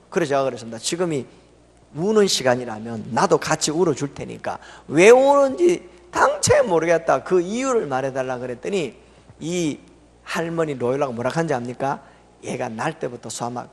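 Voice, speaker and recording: A middle-aged man preaching a revival sermon. He tells the story with laughter and swings from loud exclamations to hushed tones. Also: fairly high pitch. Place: church sanctuary. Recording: reverberant church sanctuary.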